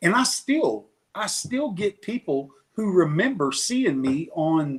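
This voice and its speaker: Pitched high, a man's voice swings very widely in pitch as he speaks at a fairly slow pace. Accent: American. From Central Texas (Brownwood). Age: 60s. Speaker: motorsport announcer and custom bike painter. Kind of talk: casual interview chat.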